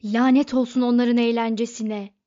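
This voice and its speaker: A woman voicing a flustered, panicky young Englishman who keeps shouting in alarm, read in an audiobook. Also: fairly high pitch, slow pace. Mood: shouting, panicked. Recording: dull lo-fi recording.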